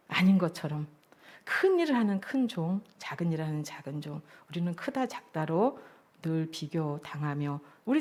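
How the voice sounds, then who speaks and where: A woman's voice: fairly low pitch, mellow. A woman junior pastor preaching a sermon at a church service, earnest and reflective as she shares her own testimony.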